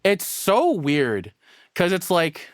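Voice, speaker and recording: A man's voice: high voice, wildly swooping pitch, slow, no room sound, studio quality. A man giving casual, off-the-cuff reaction commentary, rambling and blunt, with plenty of swearing. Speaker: streamer reacting to a video.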